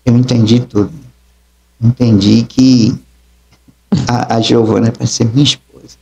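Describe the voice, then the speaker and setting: A man's voice: mid-range voice, little pitch movement, unhurried, creaky, darkish tone. A middle-aged man, an apostle and preacher, telling his testimony emphatically in an interview and acting out the dialogue. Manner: emphatic storytelling, acts out dialogue.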